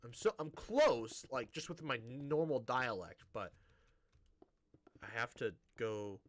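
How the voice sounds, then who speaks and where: A man's voice: mid-range voice, expressive, takes it slowly, dry recording. A man with a Midwestern American accent from the Great Plains, chatting casually and rambling as a gaming streamer. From Great Plains, United States. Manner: rambling, chatty, restarts his sentences. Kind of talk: casual chat while live-streaming a game.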